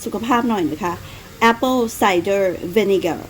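Talking fast in a mid-range voice, a woman in her thirties from Northeastern Thailand runs a casual home cooking vlog and refers to herself by nickname. She has a cough and some phlegm. The low-quality recording carries a slight hiss or hum.

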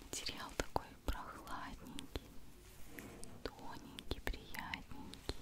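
A woman in her thirties whispers softly right into the listener's ear in a close-miked, gushing, affectionate ASMR chat. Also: takes it slowly. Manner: gushing, affectionate, fond of diminutives. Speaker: ASMR video host. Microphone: large studio microphone right at the mouth.

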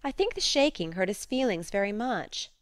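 A woman's voice: mid-range voice, big pitch swings, normal speed, dry recording, clean studio sound, close to an everyday voice. A woman reading a spirited, outspoken teenage girl who speaks earnestly and frankly.

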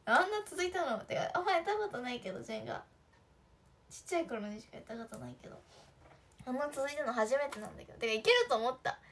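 A woman's voice: high voice, animated, quick pace, a bit bright, slight background noise. A young woman chatting casually on a livestream, giggling often and talking to viewers' comments. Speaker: idol livestream host.

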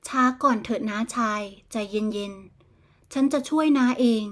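A woman's voice: on the high side, measured pace. A woman voicing a frank young village man. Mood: reassuring. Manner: polite but blunt. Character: frank young male village sorcerer's son. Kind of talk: bedtime storybook reading.

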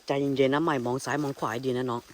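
A man with in his speech, vlogging in hushed, tense tones while walking through a dense rainforest with a companion, using coarse slang. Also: mid-range voice, steady tone, rapid-fire, slight background noise. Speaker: ghost-hunting vlogger. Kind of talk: whispered jungle exploration vlog. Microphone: handheld camera.

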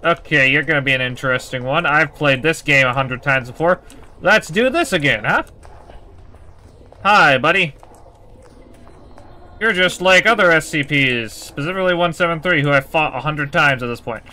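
A man with a fairly high, very bright and forceful voice streams a horror game. He chats casually but uneasily, swearing and muttering taunts at whatever creature is stalking him. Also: a little fast.

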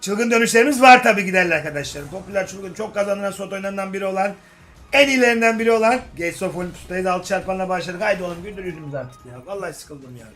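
A young man giving casual, joking commentary while playing slot games, swinging from grumbling to excited hype. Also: high voice, very fast. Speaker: slot game streamer. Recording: faint music behind voice. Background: faint game music.

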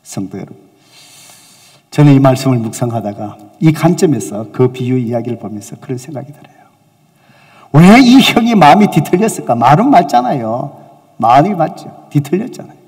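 A male pastor preaching a sermon, telling a story with lively swings between loud emphasis and soft, near-whispered asides. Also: mid-range voice, moderate pace, pauses often. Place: church sanctuary. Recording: echoey church hall.

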